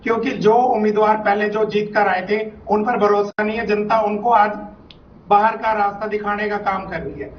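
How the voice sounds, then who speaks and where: A high, flat-toned man speaks as a party spokesman on a remote line. His voice comes back with a heavy, cave-like echo, as if from far off. The audio is dull and muffled, and he hammers the same slogans again and again. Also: normal speed. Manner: insistent, speaks in repeated campaign slogans. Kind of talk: debate-show guest answering questions.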